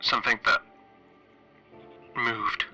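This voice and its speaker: A stranded spaceship engineer acted by a man records a log in a very bright, tense voice with a radio-like edge. He is weary and guilt-ridden, speaking haltingly and doubting himself. Music plays behind this horror roleplay. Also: lowish voice, little pitch movement, full character voice. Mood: uneasy, haunted. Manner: halting, hesitant, self-questioning. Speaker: solo tabletop RPG player.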